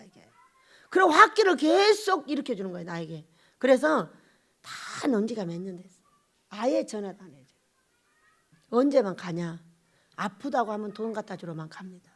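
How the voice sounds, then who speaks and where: A woman pastor preaching a Sunday sermon, swinging from loud, emphatic exhortation to hushed asides and asking the congregation short questions. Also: sits high.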